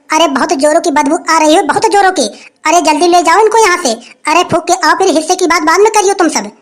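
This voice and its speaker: Casting: male actor as a shrill, bullying village chief who keeps repeating his threats. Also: a bit bright. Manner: blustering, threatening, repeats phrases. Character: boastful greedy male village headman, blustering. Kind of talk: comic sketch acting.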